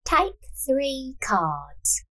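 A woman voicing a calm, cryptic female fortune teller in a read-aloud story, speaking slowly and knowingly. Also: sits high, voice pushed up, heavily acted, low-quality recording. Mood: cool, inviting.

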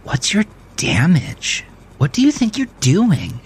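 Man voicing a loud, contemptuous woman, pitched up. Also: wildly swooping pitch, slow, gravelly, breathy edge, full character voice. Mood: accusing. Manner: accusing, sarcastic, louder than necessary. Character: hostile, confrontational woman gym-goer, contemptuous and loud. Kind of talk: audio drama character voice.

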